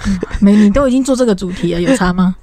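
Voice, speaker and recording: A woman's voice: medium pitch, warm tone, dry recording. A young woman with a Taiwanese Mandarin accent, a podcast co-host who teases and reacts in casual chat. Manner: teasing, quick reactions.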